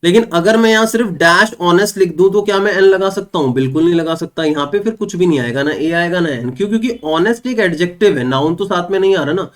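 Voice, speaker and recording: A young man giving an online exam-prep English lesson, explaining step by step and asking and answering his own questions. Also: sits high. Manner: reads English example sentences slowly and clearly. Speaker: English teacher.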